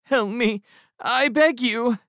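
A man voicing an escaped prisoner who begs plaintively in a high, wailing voice. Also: slow pace, fairly bright tone, no echo, studio quality, exaggerated voice. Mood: pleading. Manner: high pleading wail.

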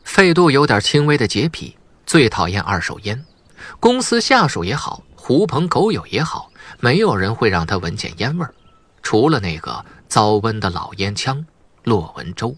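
A man's voice: medium pitch, big pitch swings, moderate pace, fairly bright tone, slightly rough. A man reading a novel aloud as an audiobook narrator, in scripted dramatic storytelling.

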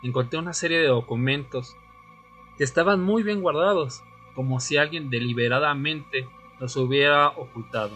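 Man playing brooding male vampire, crisp bright tone, deliberate radio-drama storytelling, faint music. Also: mid-range voice, close to an everyday voice. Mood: brooding, solemn. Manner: solemn, deliberate storytelling in short phrases. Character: brooding male vampire, former history student, seeking answers. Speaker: narrator and lead actor. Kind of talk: audio drama narration and dialogue. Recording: music bed under the voice.

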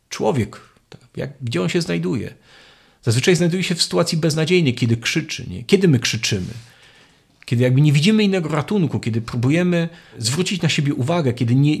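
Gravelly man giving a reflective catechesis. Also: mid-range voice. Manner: reflective, searching for words with many restarts. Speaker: lecturer on faith. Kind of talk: spoken catechesis.

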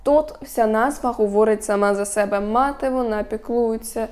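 Young woman vlogging, mellow low-toned voice but pitched kinda high, walks through points one by one. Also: normal speed. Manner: instructive, steady, lists points one by one. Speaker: media coach vlogger. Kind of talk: explanatory talk to camera.

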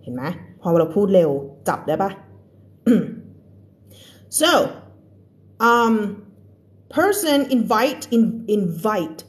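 A woman with a Thai accent teaching English on a live stream. She reads a storybook slowly and carefully, then explains it in quick, chatty Thai, laughing often and greeting viewers by name. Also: mid-range voice, sing-song.

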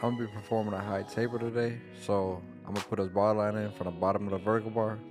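Laid-back young barber, low voice. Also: male voice, little pitch movement, quick pace. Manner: laid-back, plain instructional talk. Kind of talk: tutorial voice-over. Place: small dim room at home. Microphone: studio microphone on boom arm. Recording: faint guitar music underneath. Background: faint guitar music.

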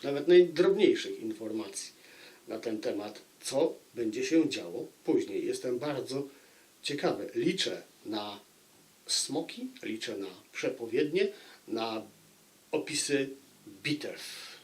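A man giving an informal spoken book review to viewers, deliberate, with dramatic pauses and repeated phrases for emphasis. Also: medium pitch, expressive, darkish tone. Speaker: book review channel host.

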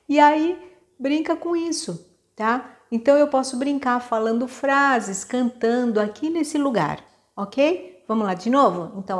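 A Brazilian woman with a somewhat high voice teaches a singing lesson. She explains breathing step by step in a patient, instructive way and keeps checking in with her listeners. She breaks off now and then to demonstrate with her own voice. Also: darkish tone. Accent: Brazilian Portuguese.

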